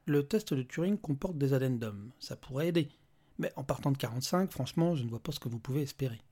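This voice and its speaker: A man's voice: mid-range voice, quick pace, husky. A man voicing a cold, logical robot official. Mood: detached. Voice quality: even, detached, bureaucratic. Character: calm smiling male robot official, coldly logical.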